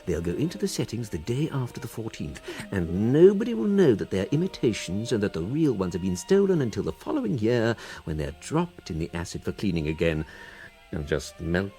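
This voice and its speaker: A man playing a smug, scheming jewel thief and smooth lover with a British accent in a comic radio play. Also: on the low side, very animated, fairly quick, dark tone, faint music behind. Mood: confident, scheming.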